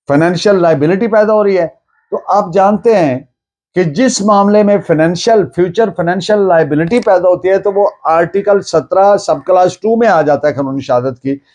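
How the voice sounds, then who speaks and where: A man with a Pakistani accent gives a law lecture in a high-pitched, darkish voice. His teaching is didactic and deliberate, restating points in plain words and mixing in English terms.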